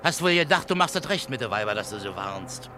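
An actor playing a spiteful, menacing gangster, taunting and agitated, in a radio play. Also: male voice, on the low side, big pitch swings, a little fast, sharp tone. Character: menacing, spiteful male gangster in a speeding car. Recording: noisy car and street sounds behind. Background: vehicle and urban outdoor noise.

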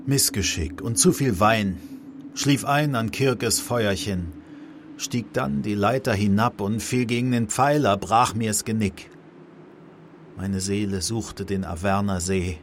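An actor playing an unhappy dead sailor's pleading shade, reciting plaintively in a radio play of epic verse. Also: male voice, on the low side, slow. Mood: mournful. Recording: clear background noise.

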